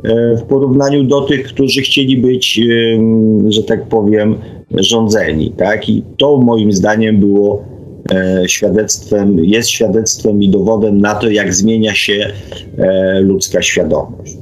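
A man hosting a reflective radio discussion, speaking haltingly and often adding tag questions. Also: on the low side, little pitch movement, faint music behind, rough recording.

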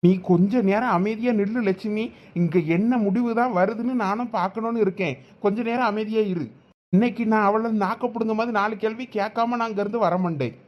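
A man's voice: sits high, brisk, muffled recording, natural voice. A man playing a protective village husband with a Thoothukudi Tamil accent, talking defiantly. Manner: defiant, insistent.

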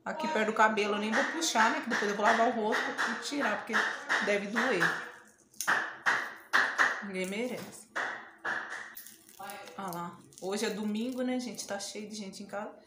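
A woman's voice: mid-range voice, moderate pace, long pauses, roomy sound, heavy background noise. A Brazilian woman with a Brazilian Portuguese accent, chatting casually to camera in a beauty tutorial at home, exclamatory and prone to laughing yelps. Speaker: beauty vlogger. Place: home room, indoors.

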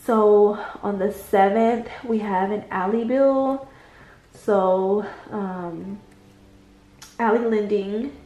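A woman's voice: medium pitch, extremely slow, warm tone, reverberant. A woman with a stuffy, congested voice chatting casually to her viewers as she fills in a budget planner, calling them y'all. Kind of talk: casual chat while writing in a planner. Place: indoors at a desk at home, late at night.

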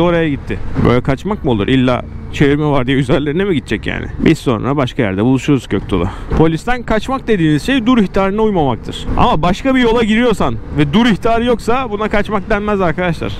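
A man chats casually to viewers in slangy, joking running commentary, speaking into a helmet mic while riding a motorcycle. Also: on the high side. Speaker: motorcycle vlogger. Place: outdoors on a moving motorcycle in city traffic. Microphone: close helmet microphone. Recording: clear engine, wind and traffic noise. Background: motorbike and city traffic noise.

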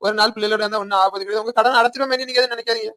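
Cartoon: man as an indebted husband, rapid and sharp, dry close voice, Tirunelveli Tamil. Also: high-pitched, steady tone, no room sound. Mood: defensive. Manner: fast, defensive, pleading. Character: idle indebted village husband and father. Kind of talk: animated cartoon voice acting.

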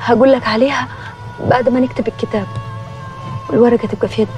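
A woman's voice: a little high, fairly even intonation, racing, a little mellow, soft background music, lightly acted. An actress playing a frank woman pressing her lover for marriage, speaking with an Egyptian accent in a TV drama. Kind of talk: TV drama acting.

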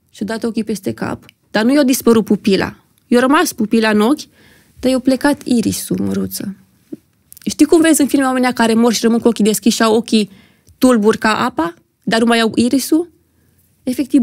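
A woman's voice: on the high side, creaky, a little mellow, no room sound, studio quality. A young adult woman, a podcast guest, telling a personal story vividly and dramatically, acting out what other people said. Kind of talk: emotional personal storytelling in conversation. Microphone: podcast studio microphone.

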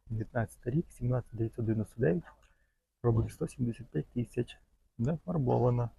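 Guy walking a car lot outdoors, gravelly low-key voice, chatty and rambling. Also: quick pace, mellow, low-quality recording. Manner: chatty, fond of diminutives, loose and rambling. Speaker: vlogger showing cars for sale. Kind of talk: casual walk-around commentary.

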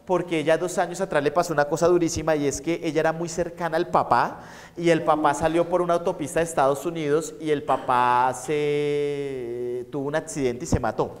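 A man's voice: on the high side, flat delivery, fairly quick. A man lecturing on psychology, telling stories and repeating key points for his students to write down. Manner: storytelling, repeats points to dictate. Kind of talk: university lecture. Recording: echoey lecture hall.

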